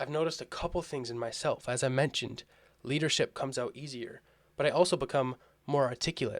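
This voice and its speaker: A man talks at a fairly quick pace and medium pitch. The recording is very clean with a silent background. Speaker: life coach. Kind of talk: monologue to camera.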